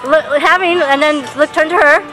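A woman's voice: sits high, steady tone, fairly quick, loud music behind the voice, rough recording. A young woman directing friends through a video shoot outdoors, calling short repeated commands and breaking into giggles. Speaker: video director filming on a phone. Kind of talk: giving directions between takes. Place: outdoors on a busy street.

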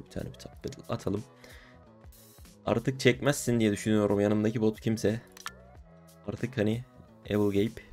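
A young man giving casual gaming commentary, excitable and given to swearing, shouting when he wins. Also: on the low side. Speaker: gaming streamer.

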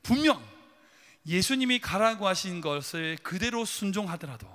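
A man's voice: high voice, expressive, moderate pace, sharp tone, in a large hall. A man preaching a sermon dramatically, full of rhetorical questions. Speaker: pastor. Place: church sanctuary.

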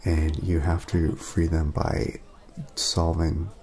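A man speaking softly in a casual ASMR roleplay, laid-back and friendly, chatting as if to a friend. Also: rumbling low, flat delivery, slow pace. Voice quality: soft, breathy at times, creaky.

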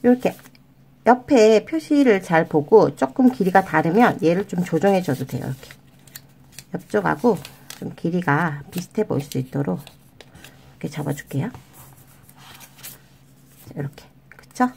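A woman hosting a children's origami tutorial, explaining each fold step by step in a gentle, sing-song way and addressing the kids as friends. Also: lowish voice, animated, normal speed, gravelly, pauses often, breathy edge. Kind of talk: step-by-step craft instruction.

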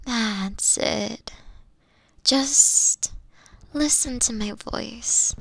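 A woman playing a caring, teasing witch girlfriend in a soft, close ASMR roleplay, tender and coaxing, often dropping into breathy whispers. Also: on the high side, very slow, full character voice. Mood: tender, soothing. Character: caring, teasing young witch girlfriend soothing her lover. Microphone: close microphone.

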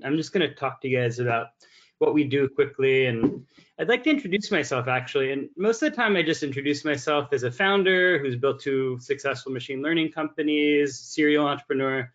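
A man's voice: mid-range voice, a little fast, fairly bright tone. A man in his thirties from the Bay Area, a sponsor representative talking casually and earnestly, full of "like" fillers, from a room at home. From San Francisco Bay Area. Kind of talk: casual talk on a video call. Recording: dull lo-fi video call audio.

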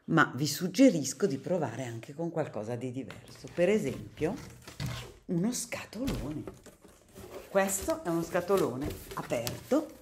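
Low-voiced, animated woman reading to kids. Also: noisy background. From Italy. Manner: warm, animated storytelling. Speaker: children's book reader. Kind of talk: reading a picture book aloud to children.

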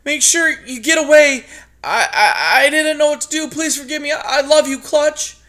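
Guy doing a worn-out white mouse, high and strained, desperate, pleading. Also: normal speed, pushed and bright. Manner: frantic, breathless pleading. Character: exhausted male white mouse, guilty and desperate.

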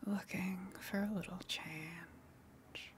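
A woman playing a gentle eldritch tentacle monster in an ASMR roleplay, coaxing and soothing in a breathy whisper with long pauses. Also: fairly low pitch, steady tone. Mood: soothing, knowing.

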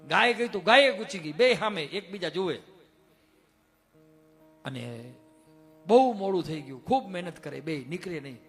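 Man, high voice, homely storytelling preacher at a temple satsang. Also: expressive, moderate pace, pauses often, fairly bright tone, faint music behind. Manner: earnest, homely storytelling with village sayings. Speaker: temple head giving a satsang. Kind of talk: folk storytelling sermon.

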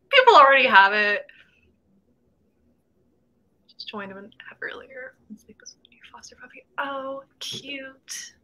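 Brief: woman, mid-twenties, livestream host, bright chatty voice, webcam sound from a small room. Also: fairly high pitch, poor audio. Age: 20s. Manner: chatty, reads chat comments aloud, laughs often. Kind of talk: casual livestream chat. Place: small room at home, indoors. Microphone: webcam video call.

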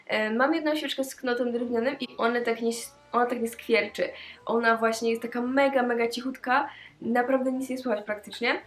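Cheerful teenage girl vlogger, slightly high voice. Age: teens. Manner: chatty and cheerful, with frequent "e" fillers. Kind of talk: casual unboxing vlog. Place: small bedroom indoors.

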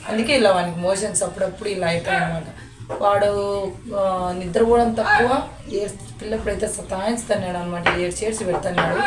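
A woman's voice: mid-range voice, far from the mic. A woman from India chatting casually as a vlogger, explaining a home remedy step by step. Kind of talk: casual vlog narration. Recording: echoey room, off-mic, noisy.

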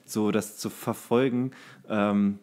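A man hosting a podcast, chatting casually about films in a rambling, halting way, searching for words. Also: lowish voice, steady tone, darkish tone. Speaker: podcast host. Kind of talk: casual film chat.

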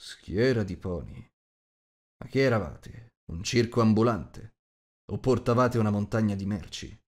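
A man voicing a gruff, rude, huge shape-changer who growls and talks bluntly. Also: lowish voice, unhurried.

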